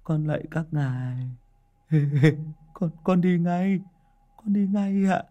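A man's voice: extremely high pitch, steady tone, slow, fairly bright tone, highs cut off, voice pushed up, full character voice. A shrieking mad young man. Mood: cowering plea. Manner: shrieking, childish taunting. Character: mad young man, raving then terrified.

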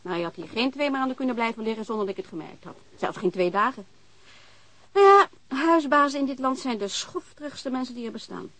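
A woman's voice: fairly high pitch, expressive, brisk, a bit bright. An actress playing an outspoken, chatty young landlady in a naturalistic radio drama, talking bluntly and informally with earthy swearing. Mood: opinionated.

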